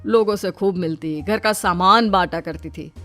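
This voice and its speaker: A woman's voice: mid-range voice, normal speed, a bit bright, lightly acted. A woman voicing a teasing young husband. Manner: mocking, amused.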